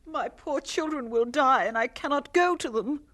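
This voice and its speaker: A woman playing a gentle, fearful, ailing Gypsy wife and mother in an audio drama, speaking in a halting, anguished way. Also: high voice, expressive.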